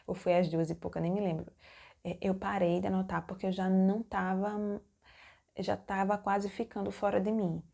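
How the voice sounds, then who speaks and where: Young mom vlogger, warm creaky voice, halting heartfelt personal storytelling. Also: female voice, medium pitch, level tone. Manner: halting and heartfelt, acts out her own remembered lines. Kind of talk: personal birth story, casual narration.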